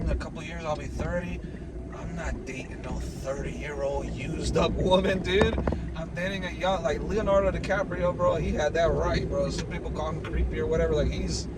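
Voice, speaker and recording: A man in his late twenties ranting in a casual, rambling way, saying "dude" again and again and restarting his sentences. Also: a little high. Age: 20s. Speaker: vlogger. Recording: loud vehicle noise behind.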